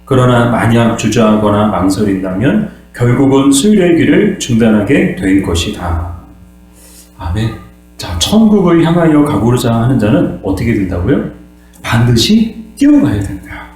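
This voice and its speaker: A man's voice: medium pitch, big pitch swings, moderate pace, darkish tone, soft background music. A male pastor giving a sermon, posing questions to the congregation and answering them himself, and sometimes acting out voices. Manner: acts out voices and cries dramatically. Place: church sanctuary. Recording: very echoey room with mains hum.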